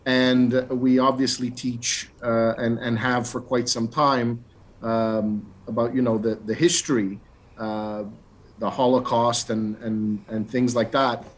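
A man's voice: medium pitch, level tone, slow. Hesitant middle-aged man asking a question. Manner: hesitant, many fillers and restarts. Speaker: school commissioner. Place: dim room at home. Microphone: video call.

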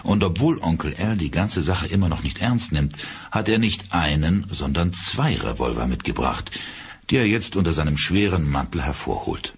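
A man narrates a horror audiobook in a very low, deeply husky voice. His delivery is dramatic, with lively swings in pitch. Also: normal speed.

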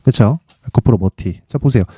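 A man hosting an informal stock market commentary, emphatic and full of rhetorical questions and tag questions as he pitches his picks. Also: lively intonation, fairly quick, mellow, breathy edge, no room sound, clean studio sound. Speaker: stock trading channel host.

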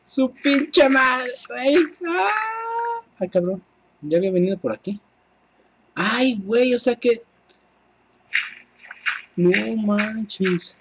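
A man with a Mexican accent giving casual, excitable gameplay commentary, swearing freely and talking to his viewers. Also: extremely high pitch, slow, long pauses, dull audio, noisy background. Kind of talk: casual let's-play commentary.

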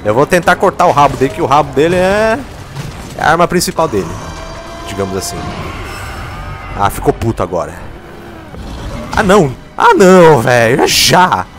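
Speaking fairly quickly but pausing often, a mid-range-voiced gameplay commentator jokes his way through a video game. He's excitable and swears a lot in this casual let's play, with faint game music underneath.

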